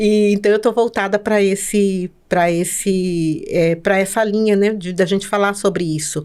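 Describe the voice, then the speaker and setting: A woman speaks at a fairly slow pace with hardly any pauses. Her medium-pitched voice has fairly even intonation. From Brazil, São Paulo state (Lapa). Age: 60s. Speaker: lawyer. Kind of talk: interview. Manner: hesitant with frequent repetitions.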